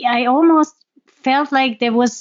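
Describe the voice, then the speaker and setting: The voice carries a German accent. Its pitch variation is ordinary. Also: woman. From Germany. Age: 40s. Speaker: energy healer and coach. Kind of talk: podcast interview.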